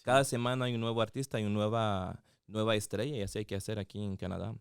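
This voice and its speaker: Low, smooth-voiced man chatting casually. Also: fairly even intonation, fast, dry recording, clean studio sound. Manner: mixes Spanish with bits of English. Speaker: podcast co-host. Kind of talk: casual interview chat.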